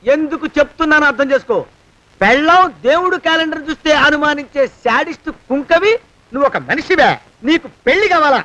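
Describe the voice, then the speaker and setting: A man's voice: very high-pitched, brisk, sharp tone, no echo, rough recording. A man playing a scheming servant who blackmails his master, nagging him with the same question again and again in a film comedy scene. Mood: scolding. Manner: nagging, keeps pestering with a repeated question.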